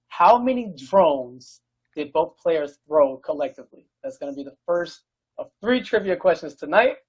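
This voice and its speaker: A man's voice: a little high, slightly rough, muffled recording. A man casting a fighting game tournament, loose and joking with sudden bursts of hype. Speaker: esports commentator.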